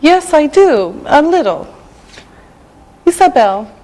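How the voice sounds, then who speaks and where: Very slow, carefully enunciating woman teacher. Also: high voice, very animated, dark tone. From Canada. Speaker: English teacher. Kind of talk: scripted language lesson.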